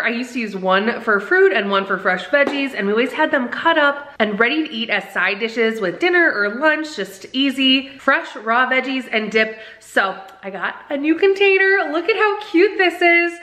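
A woman's voice: fairly high pitch, pushed and bright. A woman in her thirties narrating a casual home cooking vlog as she explains her meal prep. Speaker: lifestyle vlogger and home cook. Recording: music behind the voice. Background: background music.

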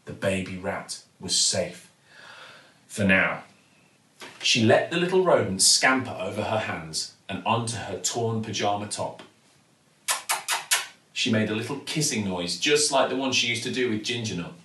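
A British man in his forties reading a children's bedtime story expressively, with theatrical pauses and emphasis. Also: on the low side, animated, sharp tone. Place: living room at home, indoors. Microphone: camera or phone a few feet away. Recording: roomy, mic at some distance.

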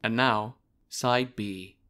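A man's voice: fairly low pitch, fairly even intonation, slow pace, bright, forceful tone. A man hosting a podcast, reading a scripted sponsor message in a conversational style.

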